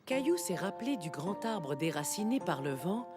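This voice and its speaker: Expressive woman narrating a children's story. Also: on the low side, moderate pace, over music.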